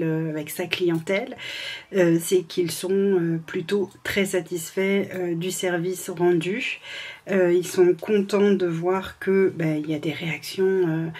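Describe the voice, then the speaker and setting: Husky French woman with a sore throat. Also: fairly low pitch, a little mellow. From France. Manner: hesitant, many fillers and restarts, laughs often. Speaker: freelance administrative assistant. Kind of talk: casual vlog chat. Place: at home.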